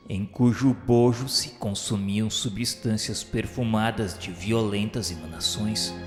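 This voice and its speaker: A man with a Brazilian accent narrating a scripted radio drama in a formal, literary, solemn storytelling manner. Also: fairly low pitch. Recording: echoey hall reverb, faint music behind.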